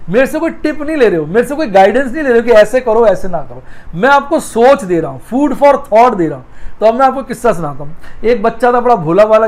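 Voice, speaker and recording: A man with a fairly high voice talks markets to his viewers like a patient teacher. He is middle-aged, homely and direct, and he repeats his phrases as he tells little stories to make a point. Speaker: stock market educator. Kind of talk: casual teaching talk with storytelling.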